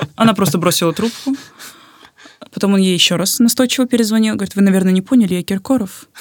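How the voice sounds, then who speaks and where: This woman talks very fast at a medium pitch with ordinary pitch variation, breaking often for long pauses. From Russia, Penza. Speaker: opera singer. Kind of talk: interview. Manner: formal.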